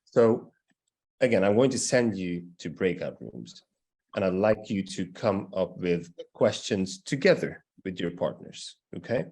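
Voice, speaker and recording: A man's voice: low-pitched, expressive, unhurried, darkish tone, breathy edge. A man hosting an online teacher meetup, giving friendly step-by-step instructions and often checking in with "right?" and "okay?". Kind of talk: casual instructions on a video call. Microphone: video call.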